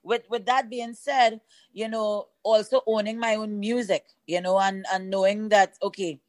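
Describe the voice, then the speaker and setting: A middle-aged woman, a soca singer, chatting in an interview and telling lively stories. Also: medium pitch, normal speed, no room sound. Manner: lively storyteller, switches into Spanish and French. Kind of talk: casual interview chat.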